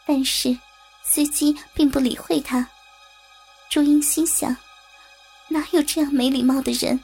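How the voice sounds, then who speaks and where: High-voiced woman narrating a story. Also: creaky. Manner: steady, even storytelling.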